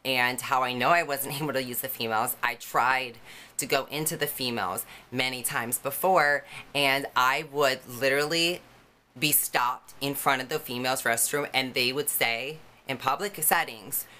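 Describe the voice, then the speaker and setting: A young woman with a low voice telling a personal story to her camera in a candid, conversational way, with many fillers. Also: fairly even intonation, moderate pace, pushed and bright. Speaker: vlogger.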